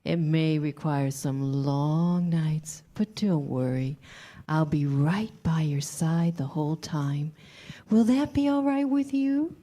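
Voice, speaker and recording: A woman's voice: low voice, slow pace, mellow. A woman playing a seductive, manipulative Hollywood producer with a condescending streak in a staged reading.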